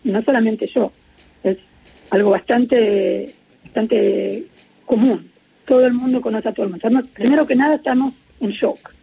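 A middle-aged woman with an Argentine Spanish accent speaks in an earnest, measured way, pausing often to find her words. Her voice sits a little high but comes through very husky and gravelly. She is heard on a muffled, lo-fi phone line. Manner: earnest, measured, many hesitations. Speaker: interviewee, peace activist. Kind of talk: phone interview on radio. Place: at home in Israel.

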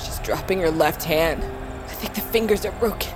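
A woman's voice: fairly low pitch, moderate pace, over music, lightly acted. A woman playing a proud, defiant young tribal warrior in a fantasy audio drama, with an intense manner. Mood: hurt, subdued.

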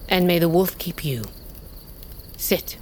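A middle-aged woman playing a proud, commanding tribal queen and stern mother in an audio drama, formal and measured. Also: fairly low pitch, a little hiss or hum.

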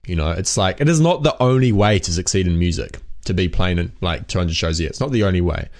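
A man's voice: sits low, fast, darkish tone. A man hosting a music production podcast, talking in a thoughtful, conversational way and asking questions. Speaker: podcast host. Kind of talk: casual podcast interview.

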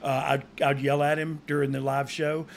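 A man's voice: on the high side, flat delivery, fairly quick, creaky, slight background noise. A man co-hosting a podcast in a casual, joking way, laughing often. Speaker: podcast co-host.

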